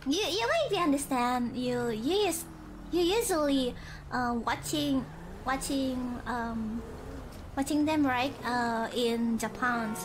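Gaming live, this young virtual streamer from Indonesia talks in a relaxed way, pausing as she hunts for the right words and frequently breaking into giggles. She has a high-pitched voice, and there's noise behind her.

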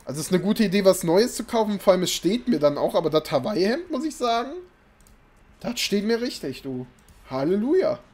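A young man live-streams a game from a small room at home, chatting casually and rambling to viewers, now and then breaking into exasperated outbursts. His voice sits high and is very animated, fairly quick, and a little mellow. He uses a desk mic and webcam, with faint game music behind him.

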